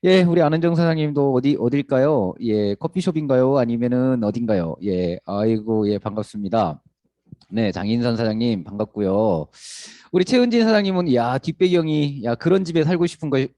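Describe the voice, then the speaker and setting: A man's voice: a little high, no room sound. A man speaking as a group leader and guest speaker, effusively greeting each participant on a video call. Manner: warm and effusive, greets people one by one.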